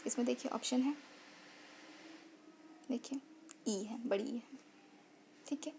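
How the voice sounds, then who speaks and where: A woman's voice: on the high side, slow, creaky, dark tone, slight background noise. A woman teaching grammar in an online lesson, sounding out vowels and repeating phrases as she explains.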